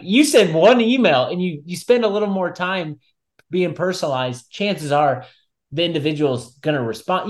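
A man hosting a marketing podcast, talking casually and emphatically in informal, slightly salty language. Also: fairly high pitch. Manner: informal, emphatic, mildly profane. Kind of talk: casual conversational anecdote and commentary.

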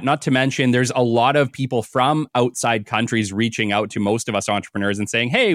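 A man's voice: a little high, fairly bright tone, no echo, clean studio sound. A man hosting a business podcast, reading a polished guest introduction and then chatting in an upbeat, enthusiastic way. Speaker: podcast host. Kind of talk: scripted intro reading, then casual interview chat.

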